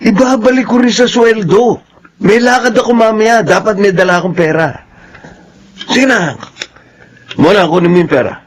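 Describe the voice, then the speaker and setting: A man's voice: sits high, moderate pace, pauses often. An actor playing a selfish, hard-drinking father who bullies his wife and takes his children's money. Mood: demanding. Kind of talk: TV drama acting.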